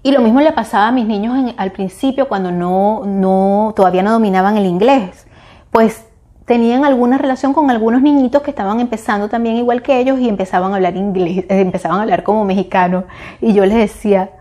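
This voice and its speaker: A woman's voice: medium pitch, a little fast, warm tone. A middle-aged woman from Venezuela with a Venezuelan accent, talking casually in a reflective monologue, often restarting and searching for words. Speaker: vlogger.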